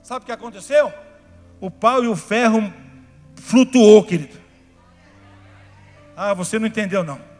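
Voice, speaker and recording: A Brazilian man, a pastor, preaching a sermon, telling stories in a chatty way that builds to fervent shouting. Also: sits high, moderate pace, pauses often. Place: church hall. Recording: reverberant church hall, faint music behind.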